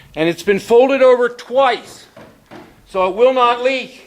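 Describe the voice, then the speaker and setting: Ordinary pitch variation in a man's speech, with noticeable background noise behind it. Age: 60s. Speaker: slate and metal roofer. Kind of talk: live tool demonstration to an audience. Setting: conference hall. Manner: casual, conversational.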